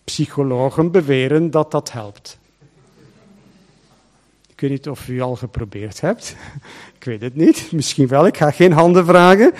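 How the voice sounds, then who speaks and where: A man preaching a sermon as pastor, emphatic and full of rhetorical questions, swinging between loud and hushed. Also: a little high, expressive, measured pace, long pauses.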